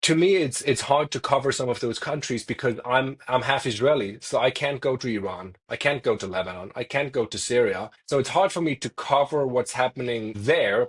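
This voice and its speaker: Husky-voiced man in his thirties. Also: medium pitch. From Denmark. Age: 30s. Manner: thoughtful, frequent restarts, repeats words while searching for phrasing. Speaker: freelance journalist, podcast guest. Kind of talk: conversational interview answers.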